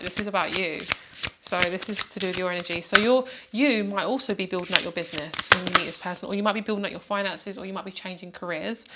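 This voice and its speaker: A woman's voice: mid-range voice, fairly bright tone. A woman giving a casual, intuitive tarot reading, chatting in a meandering, reassuring way straight to the listener. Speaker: tarot card reader.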